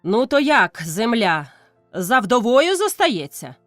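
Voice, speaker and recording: A woman's voice: a little high, big pitch swings, takes it slowly, no echo, faint music behind. A woman reading a novel aloud, voicing a village elder who impatiently calls the crowd to order. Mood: commanding. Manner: commanding, impatient.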